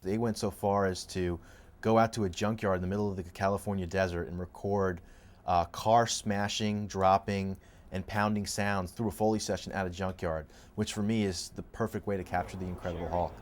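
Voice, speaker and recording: A man's voice: sits low, steady tone, brisk. A man speaking as a game sound professional, explaining his work in a documentary interview style.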